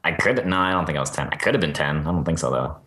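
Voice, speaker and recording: A man with a very low voice chats casually on a podcast. He talks in a halting way, pausing on fillers as he gathers his thoughts. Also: expressive, bright, forceful tone, a little hiss or hum. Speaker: podcast co-host. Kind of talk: casual conversational chat.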